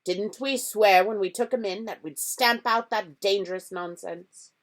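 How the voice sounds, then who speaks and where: A woman voicing a blustering, angry middle-aged uncle who shouts and sneers. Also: high-pitched, measured pace, voice pushed up.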